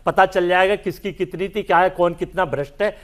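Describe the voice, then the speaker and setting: Loud insistent man in a political debate. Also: sits high, fairly even intonation, fairly quick. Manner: loud, insistent, keeps talking over others. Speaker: political panelist. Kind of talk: heated TV panel debate.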